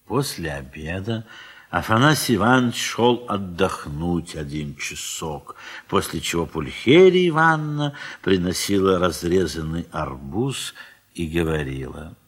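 A man with a deep, roughened voice narrates classic prose for an audio play. His delivery is measured and scripted, that of a storyteller. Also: expressive, a bit bright.

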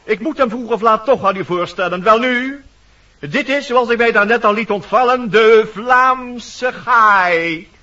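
An actor playing a fussy, officious woodpecker master of ceremonies in a Dutch radio play, formal, pompous and easily exasperated. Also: male voice, high voice, a little slow, sharp tone, recorded from a distance, lo-fi sound.

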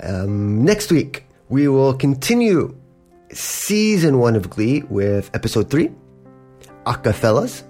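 Male host, English lesson podcast, unhurried delivery, soft warm tone, faint music underneath. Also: medium pitch, very animated. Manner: gives examples in playful put-on quotes. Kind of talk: casual explaining, slow and patient.

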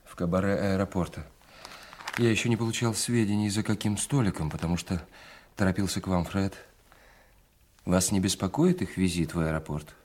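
Low, husky, sly secret agent. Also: male voice, moderate pace, darkish tone. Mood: deferential, reporting. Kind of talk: audio drama acting.

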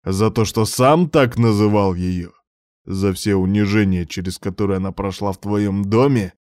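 A man's voice: on the low side, moderate pace, darkish tone, dry recording, studio quality, natural voice. Man playing a cold, vengeful man. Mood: bitter anger. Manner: cold, clipped menace. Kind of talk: audiobook character voice.

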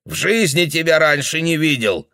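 Male narrator puts on a wild-eyed old dad, yelling and suspicious, in a dry booth. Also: on the high side, lively intonation, moderate pace, vocal fry, no room sound, pitched above the performer's own voice, full character voice. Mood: raging. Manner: shouting, paranoid, accusing. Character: confused angry old man, father.

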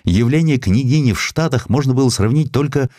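A man reading a historical audiobook in an expressive, theatrical storytelling manner. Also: mid-range voice, brisk, no echo, studio quality. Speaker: audiobook narrator. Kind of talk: dramatic scripted narration of a historical essay.

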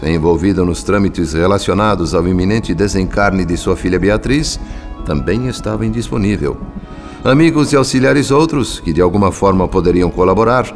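Um ator brasileiro interpretando um espírito narrador de radionovela, observador, solene e literário. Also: male voice, low-pitched. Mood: pensive. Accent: Brazilian. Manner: measured, literary, solemn. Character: grave, thoughtful male spirit narrator observing human families. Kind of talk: scripted radio drama narration.

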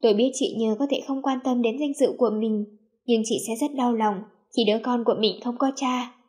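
A woman narrating a first-person story in a soft, reflective way. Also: a little high, steady tone, fairly quick.

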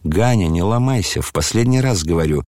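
A man voicing a frantic, pushy hanger-on in an audiobook, yelling in shrill, jeering shouts. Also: animated, a little fast, dry recording, studio quality. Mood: frenzied. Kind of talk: audiobook character reading.

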